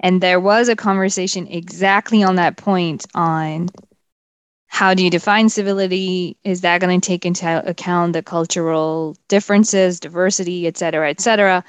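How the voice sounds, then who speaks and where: A woman's voice: fairly low pitch, steady tone, moderate pace, clear, resonant tone, no room sound. A woman co-host from Pakistan talking in a casual panel discussion, hesitant with fillers and restarts. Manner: hesitant, many fillers and restarts, laughs often. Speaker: podcast co-host.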